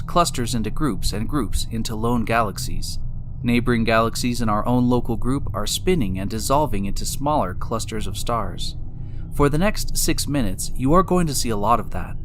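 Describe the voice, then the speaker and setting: A man's voice: medium pitch, expressive, normal speed, slight background noise. A man delivering scripted, dramatized science narration as the guide of a radio drama, explanatory in manner. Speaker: narrator and time machine guide. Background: loud music.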